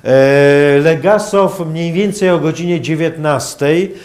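Slow, halting older man lecturing. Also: on the high side, darkish tone. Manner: halting, hesitant phrasing with long pauses. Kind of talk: public lecture. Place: university lecture hall, indoors.

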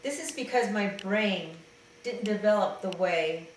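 A middle-aged trans man with a slightly raspy voice, talking hesitantly to his video diary with many fillers, then reading a letter aloud. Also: high-pitched, unhurried. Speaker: vlogger. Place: dim room indoors, seated in an armchair. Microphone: camera mic at a distance. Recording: echoey room from far off, faint hiss.

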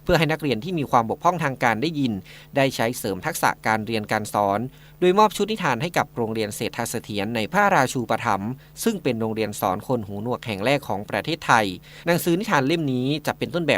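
A man's voice: mid-range voice, fairly bright tone. A man delivering a scripted news report as a radio reporter.

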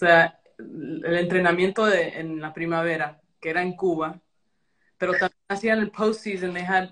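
Relaxed woman chatting on a phone live. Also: on the low side, rough recording. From half Argentinian. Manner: relaxed, hesitant, many fillers, mixing Spanish and English. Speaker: actress on a live stream. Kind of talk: casual live-stream chat, reading comments. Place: small room indoors. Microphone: phone front camera, close.

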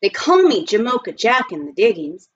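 A woman voicing an excitable, boastful young boy from the gold diggings in a storybook reading. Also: medium pitch, moderate pace, husky, muffled recording. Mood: proud. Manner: boastful, exclamatory.

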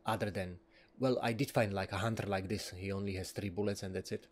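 A man's voice: lowish voice, fairly even intonation, a little fast, a little hiss or hum. A man giving casual, rambling commentary while playing a video game, often chuckling. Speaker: let's play gamer.

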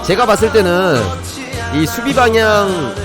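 A man whose voice sits high speaks in an animated way but at a measured pace. He's live streaming game commentary and a tutorial with music behind him, talking to viewers and thanking donors.

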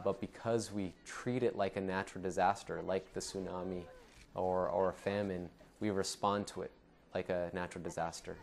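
Young man, deep flat earnest voice. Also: slight background noise. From Ecuador. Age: young adult. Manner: earnest, steady storytelling with some fillers. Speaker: founder of an anti-genocide network. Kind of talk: telling his life story to camera. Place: studio with dark backdrop.

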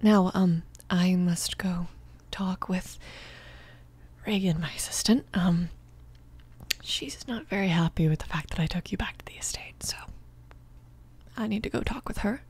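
Female mafia boss, acted by a woman, soft and creaky, protective yet apologetic, hesitant ASMR romance delivery. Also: on the low side. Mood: soothing, protective. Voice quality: soft, creaky, breathy whispering at times. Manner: hesitant, reassuring, halting. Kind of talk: ASMR romance roleplay, often whispered.

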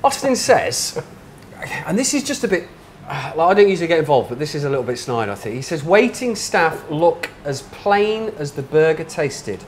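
Brief: animated host in his 30s, higher voice, lapel mic in a restaurant, faint room noise. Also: normal speed. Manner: animated, reads reviews with dramatic emphasis. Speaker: host reading reviews aloud. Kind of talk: casual interview.

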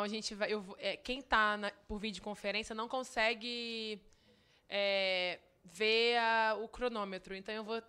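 A woman's voice: medium pitch, sharp tone, smooth. A woman in her thirties chairs a parliamentary hearing at a desk microphone, polite and apologetic as she manages the time. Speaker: committee chair running a hearing. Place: parliamentary committee room.

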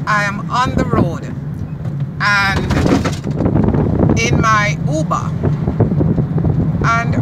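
Jamaican lady vlogging from a car, kinda high voice, heavy traffic noise around. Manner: slow, chatty, addresses viewers directly. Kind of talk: casual vlog talk. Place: back seat of a moving car in traffic. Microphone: phone camera in the car. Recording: car and road noise, distant mic.

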